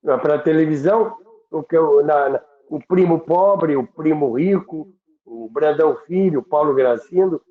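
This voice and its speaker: An older man tells radio history conversationally, in a halting, reflective, deliberate way. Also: fairly high pitch. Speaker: radio history presenter, former radio worker. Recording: roomy, echoing phone-like narrow sound.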